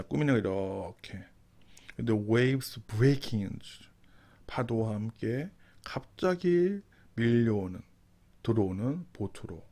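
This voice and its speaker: A man leads a Bible English lesson at an unhurried, measured pace, in a voice of ordinary middle pitch. He draws out each English verse word by word, then goes back over the key terms and explains them again in other words. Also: darkish tone. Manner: repeats and rephrases key words.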